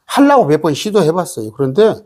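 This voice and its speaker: A male pastor preaches with a high, lively voice that swoops up and down as he drives his points home. His tone is slightly husky, and he keeps firing rhetorical questions and quick "eh?" asides at the congregation. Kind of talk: sermon.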